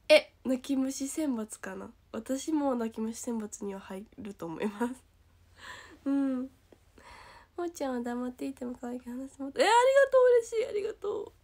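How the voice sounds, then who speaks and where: A young woman with a Kansai accent hosts a casual livestream, high and sweet in pitch. She reads comments aloud and thanks viewers, giggling often and slipping now and then into a hushed whisper. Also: creaky. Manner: giggly, bubbly, drops to soft whispers. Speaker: idol livestream host.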